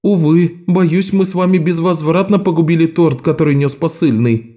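A man voicing a young swindler posing as a polite law clerk, smooth and overly courteous. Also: a little high, moderate pace, warm tone, pitched above the performer's own voice, lightly acted. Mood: apologetic.

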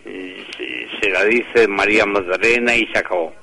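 A man, a priest and author, telling stories slowly in a radio interview, with many hesitations and restarts. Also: fairly low pitch, fairly even intonation, creaky, bright, forceful tone, rough recording.

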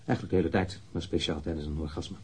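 An actor playing a blunt, candid man in his thirties, a witness answering police questions matter-of-factly in a husky voice in a radio drama. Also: very deep voice, steady tone, quick pace, darkish tone, heavily acted. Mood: frank, blunt. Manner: matter-of-fact, precise, blunt. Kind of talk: radio drama interrogation acting.

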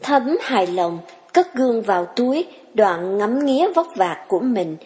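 A woman narrating a dramatic story reading, measured and smooth. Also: medium pitch, very animated, dark tone. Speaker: story reader.

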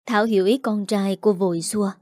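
A woman reading a dramatic story aloud, narrating in a steady scripted style and voicing every character herself. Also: medium pitch, brisk, no room sound, studio quality.

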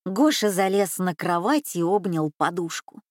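Woman reading a kids' story nice and slow, very dry close sound. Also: fairly low pitch, dry recording. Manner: unhurried, expressive reading. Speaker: narrator. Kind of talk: storybook narration.

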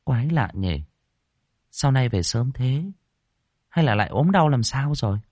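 A man voicing a fretful old village grandmother, in a high, quavering, pleading voice. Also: animated, a little slow, a little mellow, no echo, clean studio sound. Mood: puzzled mutter.

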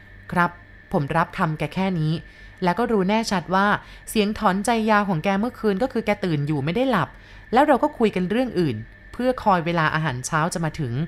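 A woman calmly narrating a first-person story as an audiobook reader, in a measured storytelling manner. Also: mid-range voice, slight background noise.

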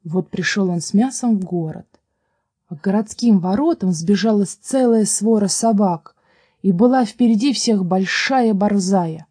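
A woman reading a fairy tale aloud in a calm, measured way. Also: mid-range voice, husky, dry recording, clean studio sound. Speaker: storyteller.

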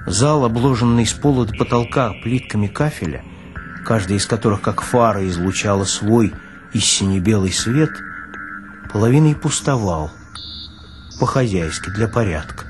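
A man narrates literary fiction in a husky voice of medium pitch. His reading is scripted and measured, with a dramatic touch suited to serious prose. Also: a little mellow.

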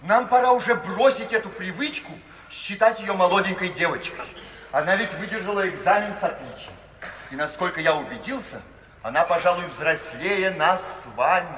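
An actor playing a mild, kindly, deferential gentleman in a radio play, polite and pleading. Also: sits high, normal speed, slight background noise. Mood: earnest, tactful. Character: mild, courteous, kind-hearted gentleman, anxiously tactful. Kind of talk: 1950s Soviet radio theatre acting. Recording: old radio recording, long reverb, distant.

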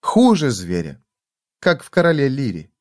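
A man voicing a fierce, sharp-tongued young woman in a storybook reading, mocking and commanding. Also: huge pitch swings, moderate pace. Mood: reproachful. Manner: mocking, commanding, shrill when angry.

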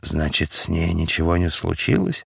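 A man's voice: deep voice, big pitch swings, moderate pace, vocal fry, husky, no room sound, studio quality, pitched below the performer's own voice, full character voice. A man voicing Barabbas, a passionate, brooding man speaking with dejected bitterness. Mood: dejected, bitter.

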